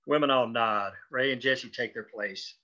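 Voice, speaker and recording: A man's voice: mid-range voice, a little slow, pushed and bright, lo-fi sound, slight background noise. A man reading screenplay stage directions as scripted narration at a table read.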